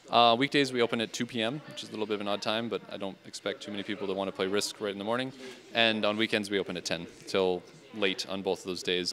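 Over light background noise, a man with a fairly low pitch talks at a very fast pace. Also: fairly even intonation. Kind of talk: interview answer. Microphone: handheld.

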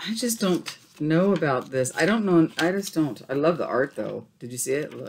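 Over light background noise, a woman with a very deep, low pitch talks at a moderate pace with lively intonation. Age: 50s. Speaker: crafts YouTuber; craft vlogger. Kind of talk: casual show-and-tell vlog. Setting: home art room. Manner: halting, many fillers. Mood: curious, warm.

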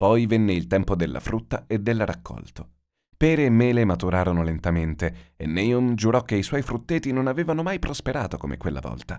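Very wide pitch swings from a man speaking fairly quickly. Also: fairly low pitch for a man, very clean recording, silent background. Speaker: audiobook narrator. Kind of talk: scripted narration, audiobook reading of a gothic horror story. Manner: brooding, solemn, eerie.

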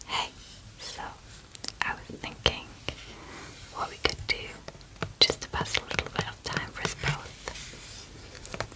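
A woman whispers at a very slow pace. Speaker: ASMR creator. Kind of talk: ASMR personal attention roleplay, close-up whispering. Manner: whispered, soft-spoken, slow. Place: home room.

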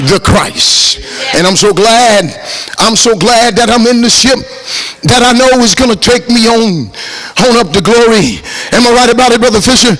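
Speaking at a moderate pace with long, frequent pauses, a man uses an extremely high pitch with ordinary variation. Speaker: preacher. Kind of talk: sermon. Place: church. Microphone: handheld.

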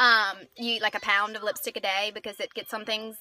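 A woman talks at a fairly quick pace in a dry sound with no echo, with light background noise behind her. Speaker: lip product seller. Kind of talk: casual vlog chat. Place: car. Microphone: phone near.

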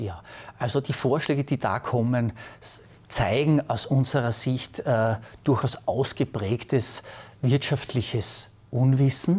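A very slow, somewhat breathy delivery with long, frequent pauses and ordinary pitch variation. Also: man, medium pitch for a man. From Austria, Upper Styria; Austria. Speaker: industry association executive. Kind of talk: TV interview. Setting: studio. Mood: critical, firm. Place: studio. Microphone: lapel.

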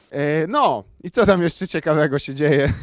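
Against a quiet background, the speaker has a Polish accent, an animated tone and lively intonation, with a dry sound and no echo. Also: man. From Poland. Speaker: stand-up comedian and host. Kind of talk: stand-up crowdwork, roasting and joking with audience members. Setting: live comedy club show with audience, streamed online. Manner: animated, sarcastic, teasing; bantering, with filler hesitations, improvised. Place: stage. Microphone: handheld.

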